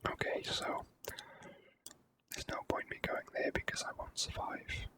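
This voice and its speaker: A host plays a video game and talks through it in an ASMR whisper. The tone stays gentle and hushed, with a slow, relaxed rhythm.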